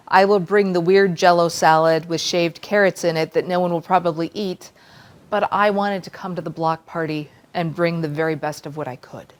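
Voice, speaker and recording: A woman giving a conference talk, casual and conversational, inviting the audience to respond. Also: lowish voice. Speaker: conference speaker.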